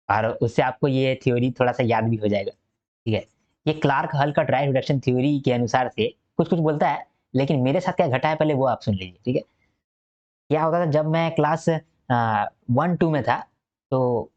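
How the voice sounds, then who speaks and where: A man's voice: mid-range voice, darkish tone. Guy teaching an exam prep lesson, keeps repeating stuff n checking you got it, kinda muffled lo-fi audio. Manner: explanatory, repeats key points and checks in with listeners. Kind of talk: recorded exam-prep lecture.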